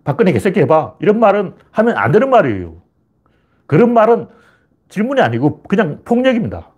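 A man's voice: high-pitched, sing-song, fairly quick, darkish tone, muffled recording. A man giving a heated political monologue, emphatic and blunt, acting out taunting questions. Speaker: political commentator.

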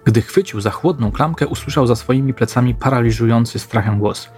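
A man narrating a scripted crime story in a slow, measured way. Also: medium pitch, darkish tone, faint music behind.

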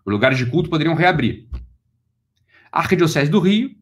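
A man's voice: a little high, very animated. A man with a Brazilian Portuguese accent who lectures on philosophy. He delivers a heated monologue and often repeats his points for emphasis. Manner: rapid, repeats himself for emphasis.

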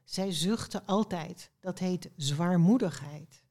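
A woman's voice: on the low side, slow, warm tone. Woman reading as a solemn, self-important poet. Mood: weighty, proud. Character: gruff, self-important male poet, earnest and sighing. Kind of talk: storybook read aloud.

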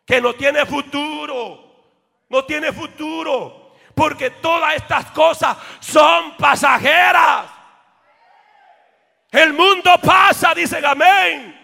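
A male pastor preaching a fiery sermon, shifting from loud shouts to quiet asides aimed at the congregation. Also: extremely high pitch, takes it slowly, gravelly, in a large hall. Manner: swings between shouting and near-whispered asides, calls out to the congregation. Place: church.

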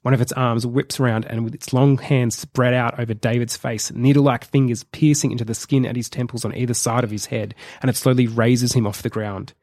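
A male podcast host narrating a comedic film pitch in a vivid, measured storytelling way. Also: steady tone, a little mellow, dry recording. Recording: dry close sound.

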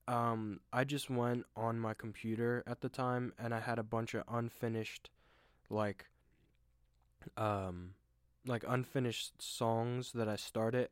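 A young man hosting a solo podcast, rambling and self-deprecating with lots of fillers and restarts, with a deep voice. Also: clean tone, dry recording, clean studio sound. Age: young adult. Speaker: podcast host. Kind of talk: casual solo monologue. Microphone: desk microphone at home.

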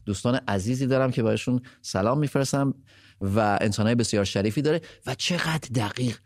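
A man's voice: mid-range voice, no echo, studio quality. A man co-hosting a live podcast, speaking emphatically and repeating phrases for stress. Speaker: podcast co-host.

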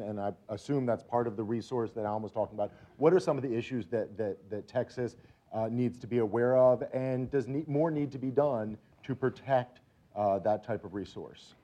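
A man moderating a panel, asking conversational, somewhat halting questions. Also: mid-range voice, warm tone.

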